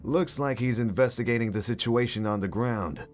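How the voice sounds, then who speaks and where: A man's voice: mid-range voice, normal speed, soft background music, lightly acted. A man playing a cynical, guarded black-ops commander with a dry, dismissive manner. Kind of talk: dramatic comic dub acting.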